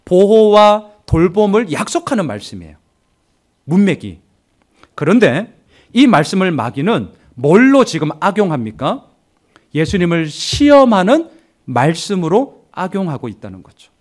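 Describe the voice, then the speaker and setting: A male pastor preaching a sermon in an animated way, acting out the voices of others. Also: sits high, moderate pace.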